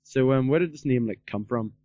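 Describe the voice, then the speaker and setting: A man's voice: medium pitch, a little fast, mellow, dry recording, muffled recording. A man doing a casual podcast interview in a rambling, repetitive way, peppered with filler words. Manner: rambling, repeats himself, peppers talk with "like".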